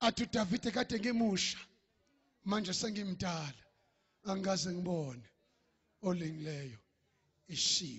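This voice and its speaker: A man's high voice with a South African accent, lively intonation and a passionate tone, broken by long, frequent pauses. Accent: South African, Zulu-accented English. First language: Zulu. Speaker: preacher. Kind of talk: fervent preaching on prayer, lapsing into intense rapid-fire intercessory prayer. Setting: church congregation. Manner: passionate, rising exclamations like oh my god, oh jesus.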